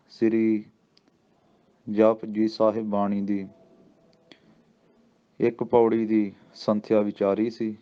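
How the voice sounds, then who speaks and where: A man teaching scripture pronunciation, slowly chanting each verse and then explaining where to pause and how to sound each letter. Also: lowish voice, muffled recording. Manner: slow, deliberate chanting of verses between plain explanations. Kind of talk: slow scripture pronunciation lesson. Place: Sikh religious school.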